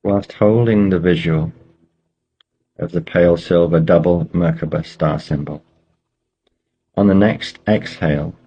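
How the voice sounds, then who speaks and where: A man leading a guided meditation, giving slow, measured instructions with pauses between phrases. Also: deep voice, steady tone, mellow, husky, lo-fi sound.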